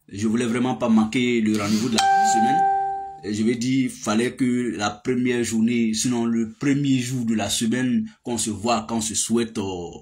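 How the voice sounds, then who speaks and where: A man, giving a casual political monologue with many fillers and emphatic outbursts. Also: mid-range voice. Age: 30s. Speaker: political commentator.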